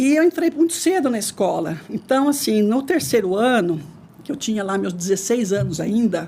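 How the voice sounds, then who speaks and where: A woman at a moderate pace, fairly high in pitch, with very wide pitch swings. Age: 60s. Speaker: business executive. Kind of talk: interview.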